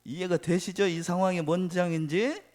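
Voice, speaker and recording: A man's voice: sits high, normal speed. A male pastor giving a Sunday morning sermon in a church, quizzing the congregation and joking as he goes. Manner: animated, asks the congregation questions, jokes. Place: church sanctuary.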